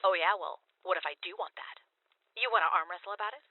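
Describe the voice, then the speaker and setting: A man's voice: sits high, fast talker. A man playing a combative, complaining lieutenant in a radio drama, heard through a radio filter. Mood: challenging. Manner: griping, challenging. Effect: radio transmission filter. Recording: noisy, tinny radio transmission.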